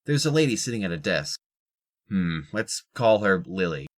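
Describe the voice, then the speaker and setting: A man's voice: low-pitched, big pitch swings, normal speed. A man reading scripted narration for an audio drama.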